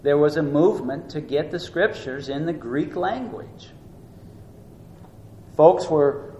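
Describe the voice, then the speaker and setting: A man's voice: a little high, a little mellow. Earnest preacher man in an echoey room. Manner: earnest teaching tone, rising and slowing for emphasis. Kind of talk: sermon. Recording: echoey room with faint noise.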